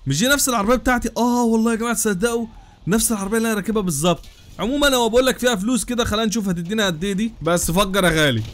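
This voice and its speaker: A young man with an Egyptian Arabic accent giving excited gameplay commentary, exclaiming, laughing and talking straight to his viewers. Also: high voice, racing. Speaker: gaming YouTuber.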